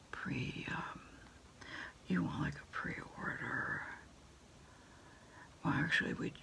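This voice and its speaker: A middle-aged woman doing a soft, unhurried ASMR roleplay as a takeout order taker on the phone, hesitating and trailing off often. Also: low-pitched, vocal fry. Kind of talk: whispered ASMR roleplay, one-sided phone conversation.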